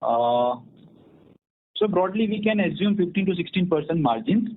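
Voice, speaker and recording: A man giving a hesitant, halting answer as a company executive on an earnings call. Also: high-pitched, expressive. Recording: thin phone-line conference call.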